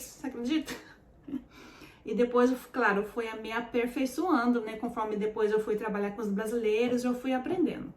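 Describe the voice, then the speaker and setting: A woman's voice: fairly high pitch, a little mellow, echoey room. A Brazilian woman in her forties with a Brazilian Portuguese accent, casually telling her story to viewers, chatty and full of fillers. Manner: chatty, addresses viewers as "gente", many fillers. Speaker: vlogger.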